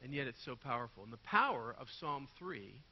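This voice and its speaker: A man with a raspy, hoarse voice preaching a sermon to a church congregation, swinging between loud bursts and quiet intimate asides. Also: mid-range voice, sing-song, fairly quick. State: hoarse from a sleepless night. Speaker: guest pastor. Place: church sanctuary. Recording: dull sound with long hall reverb.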